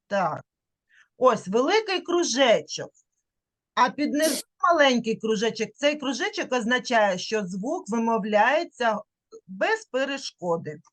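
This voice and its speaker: A woman's voice: a little high, big pitch swings, measured pace. A woman giving an online literacy lesson to a young child over a video call. She draws out the vowel sounds to demonstrate them and coaxes the child along with patient questions. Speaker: teacher.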